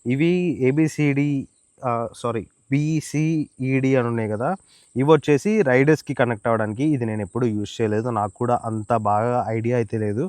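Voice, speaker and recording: A man's voice: mid-range voice, steady tone, fairly quick, darkish tone, no echo. A man with a Telugu Indian accent giving a casual, explanatory product tutorial, mixing English words into his informal speech. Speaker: motovlogger reviewing and demonstrating gear.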